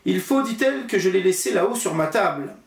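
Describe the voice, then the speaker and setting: Scared young wife begging for time, a guy puts her on, higher voice, roomy echo. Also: lively intonation, brisk, vocal fry. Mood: pleading. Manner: pleading, anxious. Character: frightened pleading young wife.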